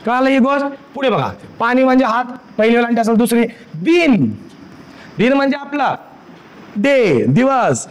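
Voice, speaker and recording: Guy with a really high voice teaching grammar, keeps asking if you got it. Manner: repetitive, checks understanding with frequent questions. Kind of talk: online exam-prep grammar lesson.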